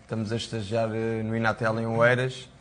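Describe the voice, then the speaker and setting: A man, a former footballer, tells an animated anecdote in a casual bar chat. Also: on the low side, fairly quick, slight background noise. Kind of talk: casual storytelling.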